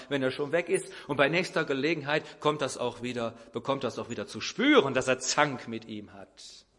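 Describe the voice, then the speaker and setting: A man's voice: mid-range voice, fairly bright tone. A man preaching a sermon who illustrates his point with an everyday story and acts out the people in it.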